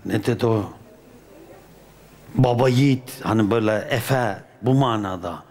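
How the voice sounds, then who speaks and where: A man from Turkey, a dervish, telling a personal anecdote in a colloquial, lively way with folk sayings. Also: fairly low pitch, a little slow. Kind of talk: casual spoken anecdote.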